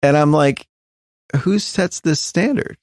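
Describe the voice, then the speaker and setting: A man's voice: on the high side, slow pace, a little mellow, no room sound, clean studio sound. A middle-aged man, a tech founder guest in an interview, talking thoughtfully with many restarts and fillers. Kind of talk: reflective interview conversation.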